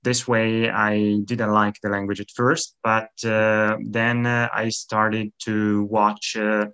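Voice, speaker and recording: Bright, clear-voiced young Italian man. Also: fairly low pitch, little pitch movement, slow. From Italy. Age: 20s. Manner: hesitant, many fillers, friendly. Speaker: guest, language teacher and YouTuber. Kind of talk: casual interview answers.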